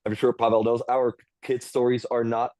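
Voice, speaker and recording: A man's voice: mid-range voice, little pitch movement, moderate pace, mellow, dry recording, studio quality. A man from Switzerland speaking as a panelist at a game convention, chatty and anecdotal.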